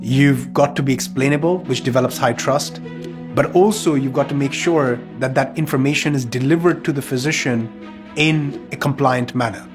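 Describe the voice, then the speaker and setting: A man's voice: medium pitch, moderate pace. Emphatic man over music. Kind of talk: corporate testimonial interview.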